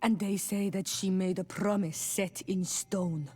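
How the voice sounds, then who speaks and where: An actress playing a grave, careful tribal woman, a queen's daughter, in a video game, speaking solemnly and deliberately. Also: mid-range voice, fairly even intonation, warm tone, slightly rough. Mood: troubled. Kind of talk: video game cutscene acting. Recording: background music under the voice.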